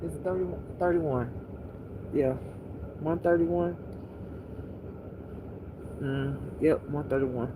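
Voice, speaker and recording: Slow, soothing pillow-talk host over background noise. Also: medium pitch. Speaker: livestream host. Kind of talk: slow, intimate pillow-talk livestream, guiding listeners to relax.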